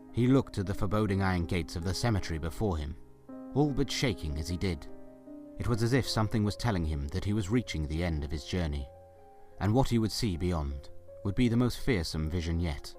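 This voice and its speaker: A male narrator with a deep voice tells a scripted story in a dramatic style. Faint music plays behind him, as in an audio drama.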